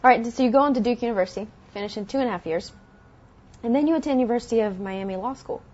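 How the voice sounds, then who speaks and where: A woman interviewing a guest, asking brisk questions and prompting with short acknowledgements. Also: a little high, darkish tone. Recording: dull lo-fi sound.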